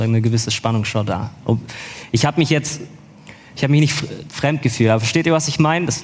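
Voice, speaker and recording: A man speaks at a medium pitch in an animated tone, with ordinary pitch variation. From Stuttgart, Germany, Ethiopian parents. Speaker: church member sharing life story. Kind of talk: testimony.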